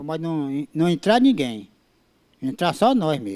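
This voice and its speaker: A man talks in a dark, mellow tone. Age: 70s. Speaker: folk tradition master. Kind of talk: oral storytelling at a seminar panel.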